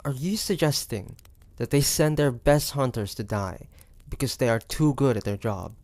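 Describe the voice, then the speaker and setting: A man voicing a wary, stubborn demon hunter from the 1850s in a dramatic audio roleplay, with halting, pointed delivery. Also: medium pitch, darkish tone, dry recording, natural voice. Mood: disbelieving. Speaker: voice actor.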